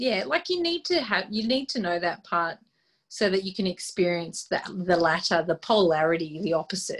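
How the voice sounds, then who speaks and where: The speaker has an Australian accent and lively intonation, talking at a moderate pace on a very clean recording with a silent background. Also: woman, medium pitch for a woman. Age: 40s. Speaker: artist and tarot reader, business mentor. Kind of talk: casual interview chat. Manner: hesitant with fillers.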